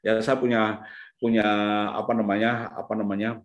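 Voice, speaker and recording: A man's voice: on the low side, moderate pace. A man giving a casual seminar talk about the brain and parenting, chatty and full of fillers, now and then acting out voices of parents and children. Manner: conversational, many fillers like "gitu ya"; acts out parents and children in lively bursts. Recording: echoey room.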